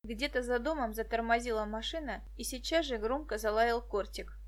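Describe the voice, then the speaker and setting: A woman narrating an audiobook in a lively, expressive way. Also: a little high, moderate pace. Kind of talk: scripted narration.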